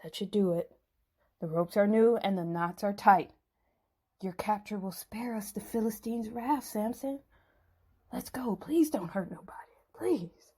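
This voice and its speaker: A woman voicing a reluctant, apologetic tribal leader, hushed and regretful, in a Bible storybook dramatization. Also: mid-range voice, measured pace, breathy edge. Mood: resigned.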